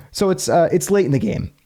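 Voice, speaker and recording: Laid-back guy hosting a podcast, warm mellow voice, chatty and laughy. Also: sits high. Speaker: podcast host. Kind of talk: casual chat, hockey history podcast.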